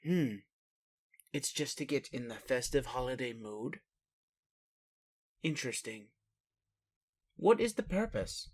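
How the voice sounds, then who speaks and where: In a roleplay audio, a man voices a male alien caretaker, speaking slowly in a mid-range pitch that swings widely. Formal and halting, the character sounds confused and curious, forever baffled by human habits as he questions the listener in a literal yet caring way.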